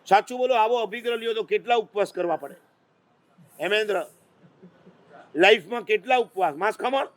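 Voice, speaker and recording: A man preaching a sermon, telling lively stories and teasing the audience with questions. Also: high-pitched, brisk, pauses often. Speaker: Jain monk preacher.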